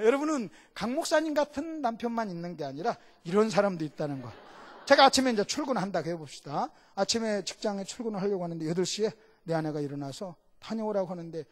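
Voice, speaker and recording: A middle-aged man preaching as a guest pastor, swinging from shouted lines to hushed asides and acting out voices as he questions the congregation. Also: high voice. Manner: acts out quoted voices, asks the congregation questions. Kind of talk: sermon.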